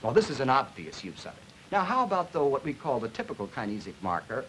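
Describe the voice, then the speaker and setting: Old 50s film sound w some noise, guy lecturing, really animated pitch, deliberate n teacherly. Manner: emphatic, deliberate, didactic, stressing key words. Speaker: linguistics lecturer presenting an educational film. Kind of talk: explanatory educational lecture with acted-out examples. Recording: noisy 1950s educational film soundtrack.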